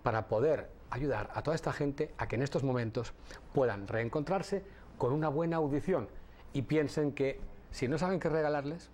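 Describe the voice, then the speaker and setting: A middle-aged man from Catalonia, a guest audiologist on a TV talk show, explaining things in a measured way with some hesitant restarts. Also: mid-range voice, darkish tone. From Catalonia, Spain. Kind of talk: TV interview.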